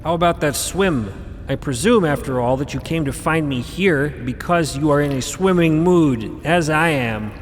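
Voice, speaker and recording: An actor playing an eccentric, cryptic elder grandparent in an audio drama, with formal, theatrical diction. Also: male voice, on the high side, normal speed, in a large hall, a little hiss or hum, close to an everyday voice. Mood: breezy, playful. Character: eccentric elder robed mother-figure, male, grandparental, breezy and cryptic.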